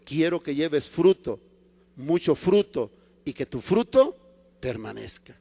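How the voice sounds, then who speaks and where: A man voicing God as a calm, stern, commanding figure in a sermon, speaking slowly and softly. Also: fairly high pitch, vocal fry, breathy edge, in a large hall, pitched below the performer's own voice, exaggerated voice. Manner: slow, hushed, firm and patient. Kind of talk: acted quote in a sermon.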